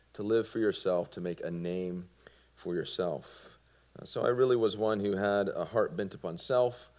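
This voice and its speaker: A man in his forties from Georgia with a Southern American accent, giving his personal testimony in a sermon with earnest, halting delivery. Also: lowish voice. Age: 40s. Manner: earnest, with fillers and soft laughs. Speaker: preacher.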